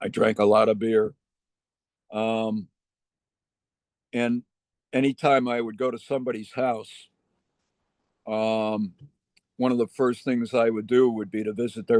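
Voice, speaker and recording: A man with a New York accent talks at a fairly slow pace with long, frequent pauses, his medium-pitched voice monotone and flat, in a dry, close sound with no echo. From Queens, New York. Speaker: recovering addict sharing at a meeting. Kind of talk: personal recovery share. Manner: casual, conversational.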